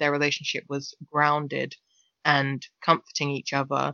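With a British accent, a woman speaks at a moderate pace in a very deep, low pitch. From Britain. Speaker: horror podcast co-host. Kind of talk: casual chat.

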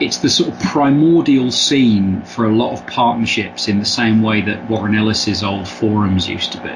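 With a northern English accent, a man talks at a moderate pace with hardly any pauses and ordinary pitch variation, over noticeable background noise. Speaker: comics writer. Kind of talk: casual interview. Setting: phone call. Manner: halting, many fillers.

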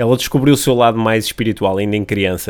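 A fairly low-pitched man's voice with a European Portuguese accent. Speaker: podcast host. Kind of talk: casual interview. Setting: studio.

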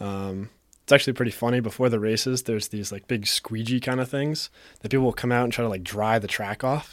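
At a very fast pace, a man speaks at a medium pitch with fairly even intonation, in a very clean recording with a silent background. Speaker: college athlete. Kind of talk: casual interview.

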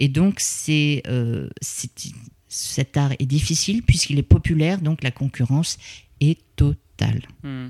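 A man's fairly high, somewhat breathy voice with a dark, mellow tone and ordinary pitch variation, at a very slow pace with long, frequent pauses and big swings in loudness, in a dry, close sound with no echo. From France, Reims. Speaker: actor. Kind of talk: interview. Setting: at the host's home.

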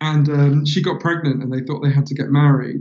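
Somewhat breathy speech comes at a fairly quick pace. The intonation is monotone and flat. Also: man. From London, Edgware. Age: 40s. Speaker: author. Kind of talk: casual interview.

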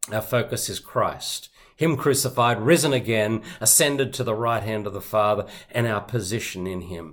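A man with an Australian accent, medium pitch, ordinary pitch variation and a moderate pace, in a very clean recording with a silent background. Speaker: pastor. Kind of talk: sermon.

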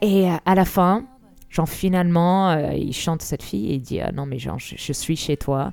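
Her pitch very deep and low, a woman speaks at a moderate pace with lively intonation. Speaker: former radio host, guest. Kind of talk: casual chat.

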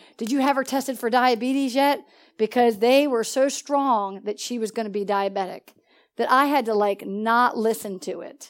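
A woman speaks in an unremarkable speaking voice, fairly high in pitch, at a moderate pace. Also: ordinary pitch variation. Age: 40s. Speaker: Bible teacher. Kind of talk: church teaching.

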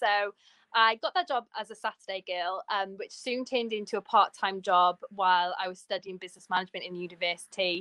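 In a Welsh accent, a woman talks at a fairly quick pace with a bright, sharp tone. Her loudness swings widely over a quiet background. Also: medium pitch for a woman, fairly even intonation, dry, close sound with no echo. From West Wales. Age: 30s. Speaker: business coach and entrepreneur. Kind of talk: casual interview chat. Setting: video call.

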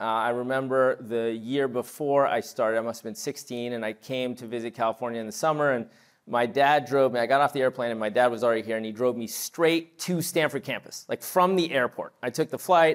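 Recorded very cleanly against a silent background, a man with a plain, everyday voice speaks with ordinary pitch variation. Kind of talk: lecture.

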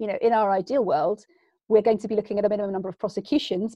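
A woman with a southern English accent speaks at a medium pitch in a dark, mellow tone with fairly even intonation. The sound is dry and close with no echo, against a quiet background. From England, Gloucestershire (Cotswolds). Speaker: environmental campaigner. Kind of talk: interview.

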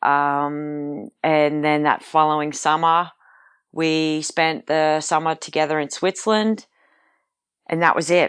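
A woman with an Australian accent speaks at a very slow pace and a very deep, low pitch. Her intonation is fairly even, her loudness very even, and the background quiet. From Queensland, Australia. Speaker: athlete and coach. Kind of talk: casual chat interview. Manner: laid-back, humorous.

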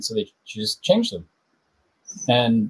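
Here a man has an ordinary speaking voice at medium pitch. His pitch variation is ordinary. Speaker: professor and researcher. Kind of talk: interview conversation.

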